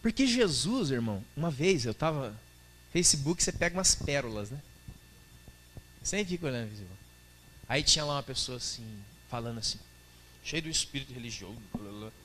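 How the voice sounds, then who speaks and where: A man's voice: mid-range voice, expressive, fairly quick, fairly bright tone, slight background noise. A male pastor with a Brazilian Portuguese accent preaching a colloquial sermon, often acting out dialogue.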